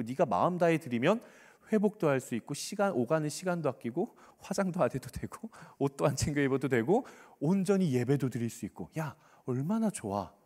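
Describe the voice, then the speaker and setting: A sly, persuasive devil, as a male preacher puts him on murmurs slow, soft temptations in a fairly high, lilting voice. The sound carries a long church-hall reverb. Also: heavily acted.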